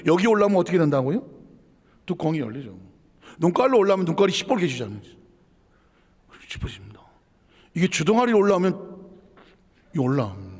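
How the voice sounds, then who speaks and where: A male pastor preaching a sermon with animation, acting out quarrels in mock voices and dropping to low asides. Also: a little mellow. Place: church sanctuary. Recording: long hall reverb.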